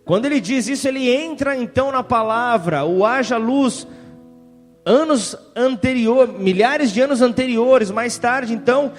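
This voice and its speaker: A man's voice: extremely high pitch, measured pace, big-room sound, soft background music. A man preaching a sermon as pastor, reading scripture aloud and asking the congregation for amens.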